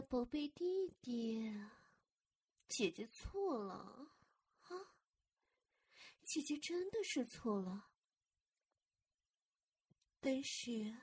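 Breathy, doting older sister, voiced by a woman. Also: a little high, darkish tone, full character voice. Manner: coaxing and soothing, often whispered. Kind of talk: intimate audio roleplay.

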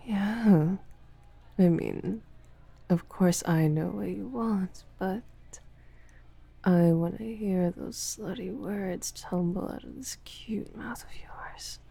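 A woman playing a dominant, taunting lover in an intimate audio roleplay, mostly in a husky whisper with a slow, commanding delivery. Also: medium pitch, dark tone, full character voice. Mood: teasing. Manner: slow, teasing, commanding, profane.

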